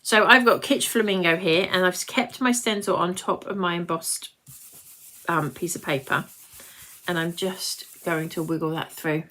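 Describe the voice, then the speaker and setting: A woman's voice: lowish voice, measured pace, sharp tone, poor audio. A British woman in her late forties hosting a live craft demonstration, chatting and rambling as she breaks off to talk to viewers. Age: late 40s, nearly fifty. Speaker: craft tutorial host.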